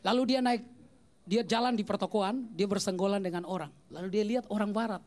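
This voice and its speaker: A man's voice: sits high, a little fast. A man doing stand-up comedy, telling stories and acting out the voices of the people in them. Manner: animated, acts out voices in his stories.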